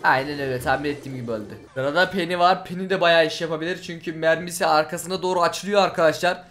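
Fast high-voiced young man commentating. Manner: rapid, repeats phrases, shouts at the game. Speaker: gaming channel host. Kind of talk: excited gameplay commentary.

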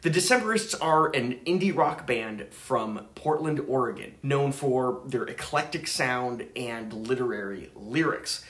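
A man's voice: medium pitch, lively intonation, unhurried, few pauses, fairly bright tone, roomy sound. A man in his thirties hosting a vinyl channel, narrating his trip in an enthusiastic, chatty way. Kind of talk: casual travel vlog narration. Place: room with record shelves.

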